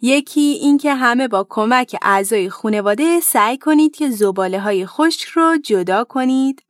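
Gentle woman telling children's stories. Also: fairly high pitch, expressive, dry recording, clean studio sound. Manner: gentle, addressing parents and children. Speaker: children's storyteller and host. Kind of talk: scripted narration for children.

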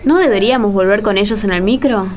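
A woman's voice: medium pitch, fast, natural voice. Radio play role: sassy, weary Argentine woman walker, voiced by an actress, teasing, mid-range voice. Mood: hesitant. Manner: teasing, colloquial, wry. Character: sassy, stubborn young female pilgrim, tired but proud.

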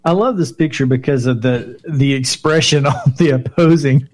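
A man's voice: mid-range voice, moderate pace, darkish tone. A man co-hosting a local sports radio show, chatty and laughing often, restarting his sentences. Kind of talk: casual sports talk radio.

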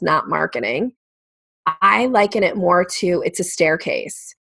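A woman's voice: fairly low pitch, no echo. A woman sales coach explaining her method as a podcast guest, conversational and emphatic.

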